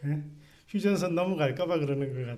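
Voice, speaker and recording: Audible room echo surrounds a man's fairly high, somewhat breathy voice, dark and mellow in tone, with ordinary pitch variation. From Gangwon Province, South Korea (Gangneung). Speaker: pastor. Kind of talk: sermon. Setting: church. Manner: casual, humorous storytelling.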